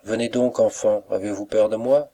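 A man reading an audiobook, voicing a mysterious young suitor who speaks gently and respectfully, with soft reproach. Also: on the low side, fairly even intonation, moderate pace, lightly acted. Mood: tender.

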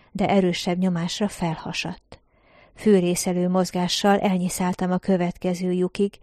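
Low, mellow woman reading an audiobook. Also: no echo, clean studio sound. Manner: measured, calm reading with quiet narrative asides. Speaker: audiobook reader. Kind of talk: scripted narration of a first-person science-fiction story.

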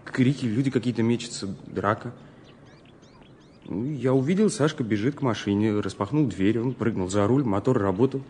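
An actor playing an earnest, troubled young student who speaks haltingly and seriously in an audio drama. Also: male voice, mid-range voice, a little mellow, a little hiss or hum, close to an everyday voice. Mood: troubled recollection. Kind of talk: Russian audio drama acting.

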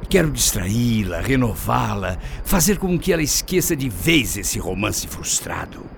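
A man's voice: on the low side, sing-song, unhurried, gravelly, slight background noise, exaggerated voice. An actor with a Brazilian accent playing a scheming father who feigns devotion in earnest, declamatory radio drama style. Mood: feigned devotion. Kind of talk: radio soap opera acting.

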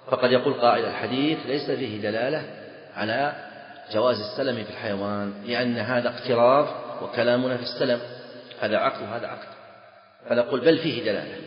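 A man teaching a lesson on a legal text, explaining by repeating key phrases and checking whether the students understand. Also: mid-range voice. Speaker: sheikh teaching fiqh. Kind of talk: classroom lecture on a legal text. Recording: echoey lecture hall, dull lo-fi sound.

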